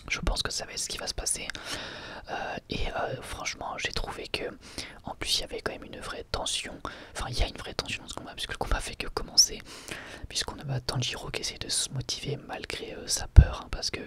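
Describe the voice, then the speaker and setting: A man whispering an ASMR review in French, hesitant and thinking aloud as he goes. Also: fairly quick. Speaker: host reviewing an anime episode.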